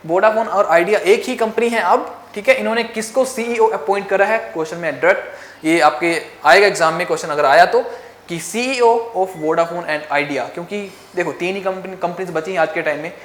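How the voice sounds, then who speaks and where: A woman's voice: fairly low pitch, moderate pace, echoey room. A woman with an Indian accent teaching a current affairs exam lesson, mixing English phrases into her explanation and checking in with frequent "ok?" questions. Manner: repeats key facts with frequent "ok?" check-ins.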